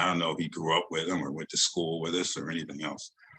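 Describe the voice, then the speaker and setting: Speaking with an American accent at a fairly quick pace, a man has a very deep, low voice with a bright, sharp tone. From US Northeast, West Philadelphia. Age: 60s. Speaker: social work graduate and recovering addict, Air Force veteran. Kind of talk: interview testimony. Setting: video call. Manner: halting.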